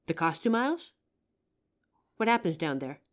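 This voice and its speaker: A woman's voice: on the low side, sing-song, normal speed. A woman playing a young psychic, earnest, confident and helpful, in a scripted roleplay audio drama. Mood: polite, assured. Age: young adult. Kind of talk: scripted roleplay audio acting, addressing the listener.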